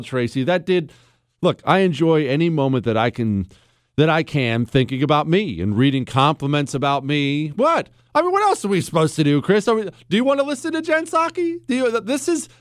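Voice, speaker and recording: A man with a somewhat high voice hosts a political talk show, delivering a sarcastic, mocking monologue full of jokes and self-admiring asides. The sound is clean studio quality with no echo.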